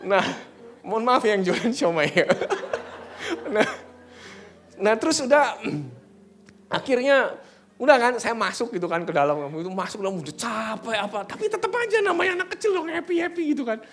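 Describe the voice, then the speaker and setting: A middle-aged male pastor preaching a sermon, telling a personal story in a humorous, conversational way, at times dropping to hushed tones. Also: extremely high pitch, expressive, normal speed.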